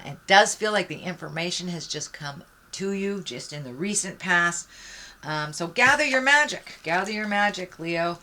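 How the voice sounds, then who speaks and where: A woman's voice: on the low side, sharp tone. A woman giving an unscripted tarot reading as host, speaking reflectively and encouragingly, straight to the listener. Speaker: tarot card reader, host.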